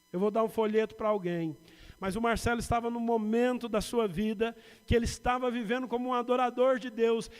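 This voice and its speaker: A man with a São Paulo Brazilian accent preaching a sermon as pastor, building to emphatic points and dropping to quiet asides. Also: very high-pitched, clean tone. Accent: Brazilian Portuguese, São Paulo. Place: church sanctuary. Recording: reverberant church hall.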